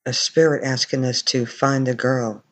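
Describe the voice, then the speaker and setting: A man's voice: medium pitch, level tone, normal speed, background noise. A man commenting on recordings of spirit voices as a paranormal investigator.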